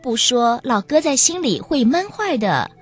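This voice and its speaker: A caring granddaughter, as a woman puts her on, coaxes in a high, bouncy voice with a lilt. The tone rises and falls eagerly, a little breathy, like a radio storybook read aloud. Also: sing-song, a little slow, faint music behind, exaggerated voice. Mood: eager, coaxing. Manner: bright, eager, coaxing. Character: cheerful caring young granddaughter.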